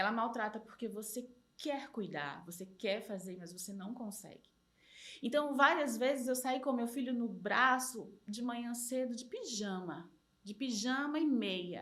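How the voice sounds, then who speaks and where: An ordinary speaking voice moves at a fairly slow pace. Its loudness swings widely. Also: woman, fairly high pitch for a woman, ordinary pitch variation. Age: 40s. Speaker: journalist. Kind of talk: interview answer.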